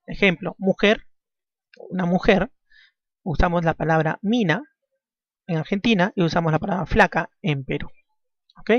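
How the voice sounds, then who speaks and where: The language teacher here has a high-sitting voice and keeps repeating his main points, ending most phrases with a questioning tag. His lecture comes through a dry, dull, lo-fi recording.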